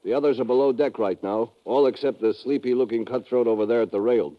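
An actor playing a knowing naval lieutenant serving as first mate, brisk and matter-of-fact, in a 1950s radio adventure. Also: male voice, mid-range voice, fairly even intonation, natural voice. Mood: easy, knowing. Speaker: supporting actor in a radio drama. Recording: dull old radio recording.

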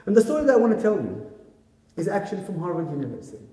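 A young adult man with an Israeli Arab accent, an Arabic speaker giving a public speech full of animated storytelling in a large hall. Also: high-pitched, racing. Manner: animated storyteller, acts out quoted voices. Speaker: speaker at a community event. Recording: echoey hall with long reverb.

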